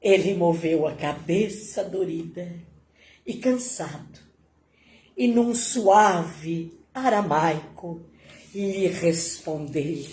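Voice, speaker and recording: A woman telling a devotional story in a slow, dramatic, emotional way. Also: on the low side, warm tone, a little hiss or hum. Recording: roomy echo.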